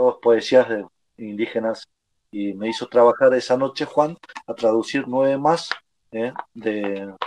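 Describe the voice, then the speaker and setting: The sound is dry and close, with no echo. A man speaks at a fairly slow pace and medium pitch, with ordinary pitch variation. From Chaco, Argentina (Qom community). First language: Qom (speaking Spanish). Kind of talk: panel talk. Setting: book fair panel. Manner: halting, many fillers.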